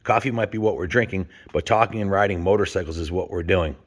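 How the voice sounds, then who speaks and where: Speaking fast in a low-pitched voice, a man hosts a story time show with a folksy, enthusiastic manner. He chats casually with his viewers and reads aloud to them.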